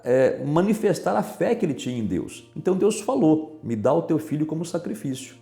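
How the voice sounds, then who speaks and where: A man preaching a sermon as a pastor, speaking straight to his listeners and asking them questions. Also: mid-range voice. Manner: asks listeners direct questions. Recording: echoey room with soft music. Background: soft music.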